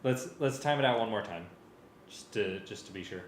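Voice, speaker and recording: A man's voice: on the low side, animated, moderate pace, slight background noise. A man talking casually as he directs a music rehearsal, thinking aloud in a hesitant, working way. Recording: roomy sound with music playing.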